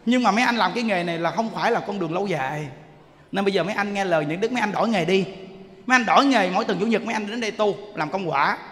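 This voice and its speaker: A man giving a lively dharma talk, telling stories and exclaiming as he preaches. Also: high voice. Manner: animated, exclaiming, quick shifts between loud and soft. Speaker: monk preacher. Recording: long hall reverb.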